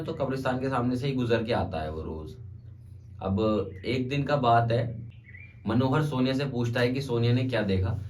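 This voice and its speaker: A man narrating a spooky tale in an easygoing, chatty manner, looping back on phrases as he goes. His voice sits at a plain middle pitch and sounds a little distant from the microphone. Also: darkish tone, a little hiss or hum. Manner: conversational, repetitive fillers. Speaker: storyteller. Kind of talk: casual spoken horror storytelling.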